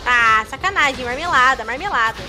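A young Brazilian woman chatting casually with viewers while streaming a game, with excitable outbursts. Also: high-pitched, a little fast, noisy background. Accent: Brazilian Portuguese. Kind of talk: casual gameplay commentary.

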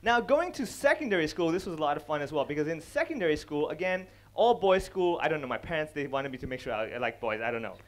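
A young man from Hong Kong doing stand-up comedy on a large stage, speaking into a headset mic and acting out characters with quick voice changes. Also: on the high side, very animated. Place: large dark stage before a live audience.

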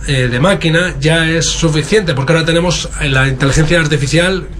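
A man with a Spain Spanish accent, interpreting a keynote simultaneously from a booth in a halting, stop-start way. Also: a little high, fairly bright tone, a little hiss or hum.

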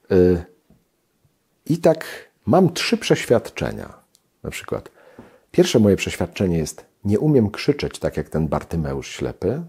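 A man's voice: low-pitched, dark tone, breathy edge. A man, a Dominican friar, giving a storytelling conference sermon in a loose, conversational way, often tagging his sentences with a questioning "right?". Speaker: preacher at a retreat conference.

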